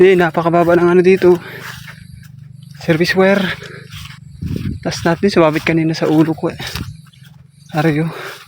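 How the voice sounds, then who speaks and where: Over noticeable background noise, the speech goes at a fairly quick pace with long, frequent pauses. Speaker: vlogger. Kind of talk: casual vlog narration.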